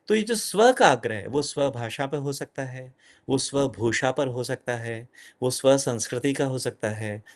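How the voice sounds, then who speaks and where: A middle-aged man giving an animated lecture to an audience as a guest speaker, dropping in English phrases. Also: mid-range voice, measured pace.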